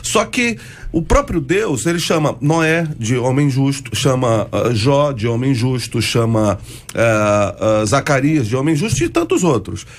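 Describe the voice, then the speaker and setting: A man with a Brazilian Portuguese accent, a pastor explaining a theological point calmly and methodically on a radio debate. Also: mid-range voice, measured pace.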